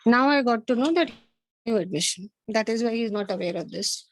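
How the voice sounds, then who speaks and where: A woman's voice: fairly high pitch, expressive, a little fast. A woman with a South Asian accent teaching an online class, questioning pupils in a stern, insistent way. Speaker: schoolteacher.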